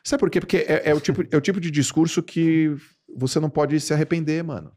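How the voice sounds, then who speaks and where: A Brazilian man in his forties, appearing as a podcast guest, tells stories in casual, slangy chat. He talks fast in a darkish tone, his intonation fairly even apart from big pitch jumps for emphasis.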